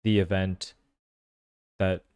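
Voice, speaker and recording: A man giving casual reaction commentary, thinking aloud in halting phrases. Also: sits low, little pitch movement, a little mellow, smooth, dry recording, clean studio sound. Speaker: video commentator.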